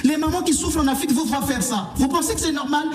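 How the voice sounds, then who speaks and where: A man with a very high voice talks quickly in a roomy, echoing space. He argues like a lecturing clergyman in a televised debate, with a reproachful edge. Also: faint music behind. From Africa.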